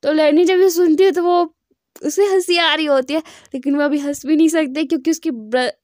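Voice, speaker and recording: A woman retells a fan fiction story in a loose, chatty manner, stopping and restarting as she goes. Her voice is high. The sound is close and dry. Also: steady tone, fairly quick, a little mellow, dry recording. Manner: chatty, with many fillers and restarts.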